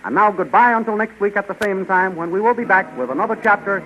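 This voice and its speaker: A man's voice: sits high, expressive, fast. A man announcing and narrating a 1930s radio adventure serial in a scripted promotional style. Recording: noisy, dull 1930s radio recording.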